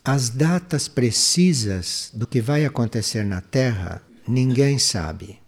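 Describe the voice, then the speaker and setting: A Brazilian man speaks in a mid-pitched voice as a spiritual teacher. His delivery is measured and explanatory. He takes questions and answers them in a didactic way, as in a spiritual talk. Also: lively intonation, husky.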